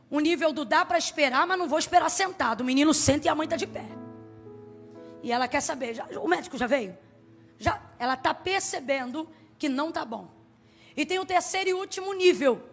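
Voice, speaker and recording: High-voiced woman preaching. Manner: emphatic, swings from soft to loud; asks the congregation to respond. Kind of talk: sermon.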